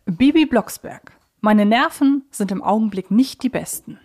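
A woman's voice: on the high side, expressive, unhurried, darkish tone. A woman co-hosting a podcast, chatting casually as she runs through a quiz. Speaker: podcast co-host. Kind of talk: casual quiz chat about audio dramas.

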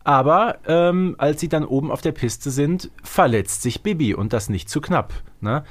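A man's voice: fairly high pitch, lively intonation, unhurried. A man talking casually as a podcast co-host in an informal conversation. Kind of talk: casual chat about an audio drama series.

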